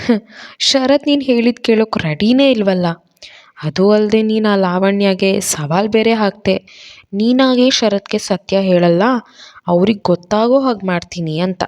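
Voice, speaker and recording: A woman's voice: medium pitch, normal speed, darkish tone, highs cut off, close to an everyday voice. A woman voicing a mocking female inner conscience who teases and taunts in a sarcastic tone.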